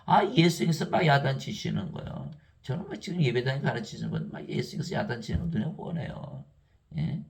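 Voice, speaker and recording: An older man giving a Bible teaching sermon. He reads verses in an even recital tone and argues with exasperated rhetorical questions. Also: mid-range voice, a little fast, vocal fry. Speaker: lay preacher.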